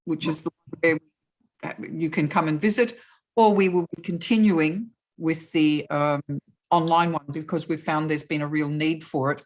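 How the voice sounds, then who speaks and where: A woman on a video call, calmly explaining how an online festival works. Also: low-pitched, normal speed. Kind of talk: online meeting discussion.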